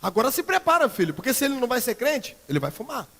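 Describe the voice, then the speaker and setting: A Brazilian pastor preaching a sermon in a church, swinging between loud emphatic outbursts and quiet earnest passages. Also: male voice, very high-pitched, big pitch swings, fast, big-room sound. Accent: Brazilian Portuguese. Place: church sanctuary.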